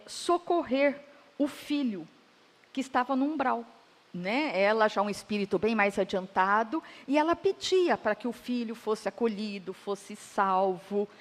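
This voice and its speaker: A woman with a Brazilian Portuguese accent speaks in a reflective, affirming way during a conversational spiritist talk. Her voice sits somewhat high, and a long hall reverb trails behind her words. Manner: reflective, affirming, retells edifying stories. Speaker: spiritist lecturer.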